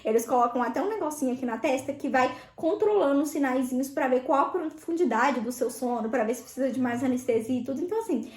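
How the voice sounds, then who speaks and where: A young Brazilian woman vlogging, chatting in an animated way as she answers her viewers' questions. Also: high-pitched, fast, hardly any pauses, roomy sound.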